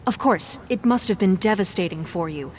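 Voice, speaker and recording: A woman playing a brisk news reporter in an audio drama, speaking in a formal interview delivery. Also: animated, close to an everyday voice. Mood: probing, formal. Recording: hall reverb, crowd noise, rumble.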